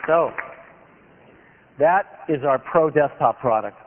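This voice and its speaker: A man's voice: fairly high pitch, slow, some chatter behind, a little hiss or hum. A man in his forties giving an emphatic product keynote on a big conference stage. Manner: enthusiastic, emphatic salesmanship. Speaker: company executive giving a keynote. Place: large conference hall stage. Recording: tinny lo-fi archive recording of a hall.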